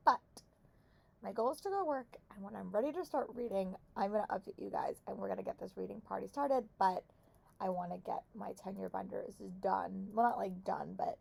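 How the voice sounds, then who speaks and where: A young adult woman with a hoarse voice chatting casually about her reading and teaching day, rambling with many fillers. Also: mid-range voice, warm tone. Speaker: book vlogger and theater teacher. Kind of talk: casual vlog chat.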